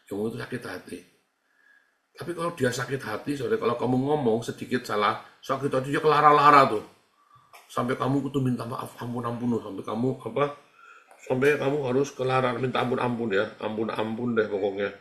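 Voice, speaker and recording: A man's voice: mid-range voice, a little fast, pushed and bright. A man speaking as a pastor, teaching in a casual, conversational way, repeating phrases and acting out quoted dialogue. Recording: roomy echo.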